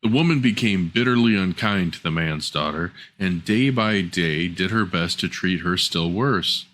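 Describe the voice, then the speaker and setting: A man's voice: low voice, normal speed, fairly bright tone. A man reading a scripted fairy tale as a storyteller.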